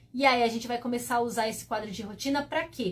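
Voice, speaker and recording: A woman speaks with ordinary pitch variation. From Brazil, carioca parents, not from São Paulo. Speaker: behavior analysis educator. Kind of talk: live stream lecture.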